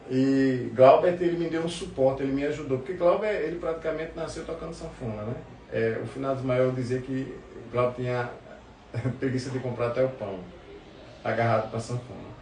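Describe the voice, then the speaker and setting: A man's voice: mid-range voice, brisk, gravelly, a little mellow. A man with a northeastern Brazilian accent telling anecdotes in casual chat as a podcast guest, often repeating words as he goes. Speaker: podcast guest, forró musician. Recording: roomy, distant mic, faint background noise.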